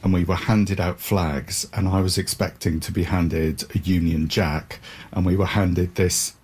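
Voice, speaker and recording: A man's voice: deep voice, fairly even intonation, measured pace, a little mellow, husky. A man in his fifties from Wales, a playwright answering interview questions in a thoughtful, hesitant way. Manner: thoughtful, hesitant, self-correcting.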